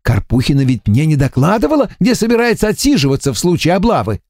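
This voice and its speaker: A man's voice: a little high, sing-song, quick pace, darkish tone, no echo, clean studio sound, pitched above the performer's own voice. A man voicing a wily male demon emissary who pleads and whines in an audiobook. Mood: pleading. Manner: pleading, whiny, wheedling.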